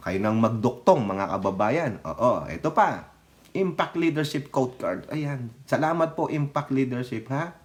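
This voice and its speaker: Male political vlogger, slightly high voice, slow delivery, sarcastic and mocking, laughs often, talks straight to his audience. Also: a bit bright. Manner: addresses viewers directly as countrymen. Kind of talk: casual political commentary.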